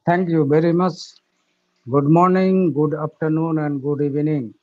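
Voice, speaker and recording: Bangladeshi guy on a webinar call, slow and formal, lots of uhs, slightly high voice, muffled audio. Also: steady tone. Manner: slow, halting, formal, with many uh fillers. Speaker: webinar participant. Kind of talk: formal grateful speech on a call. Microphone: phone or computer call audio.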